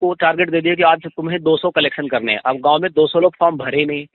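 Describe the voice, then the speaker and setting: A man's voice: fairly high pitch, steady tone, quick pace, no echo. Man on a tinny phone line. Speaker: election field worker being interviewed. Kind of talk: explaining grievances in a phone conversation. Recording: tinny narrowband phone call recording.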